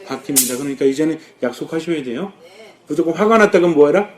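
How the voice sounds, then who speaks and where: A man's voice: a little high, fast talker. A man, a Catholic priest, preaching a sermon, asking the congregation questions and answering them himself. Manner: lively, rising and dropping with emphasis.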